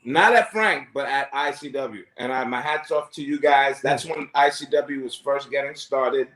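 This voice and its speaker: A man chatting casually in a wrestling shoot interview, joking and animated. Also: mid-range voice, normal speed. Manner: joking, animated, frequent laughs.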